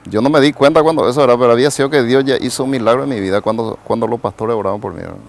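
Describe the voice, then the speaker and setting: A man, a pastor telling his life story in a television interview. His voice is gravelly and mid-pitched. He rambles and tags nearly every phrase with a questioning "right?". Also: rapid-fire. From Paraguay. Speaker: pastor and evangelist, interview guest. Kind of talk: personal testimony in a TV interview.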